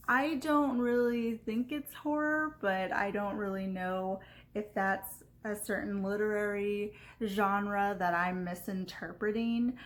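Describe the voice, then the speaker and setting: A woman with a Californian Valley Girl accent talks off the cuff, as if for a video review. Her delivery is unhurried and thoughtful, with halting phrases and casual filler words. Her voice sits at an ordinary middle pitch. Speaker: book reviewer.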